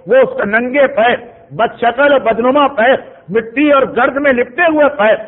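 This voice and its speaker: High-voiced man preaching, tinny sound. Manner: emotive storyteller, asides to the audience. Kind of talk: sermon storytelling. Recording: tinny phone-like recording.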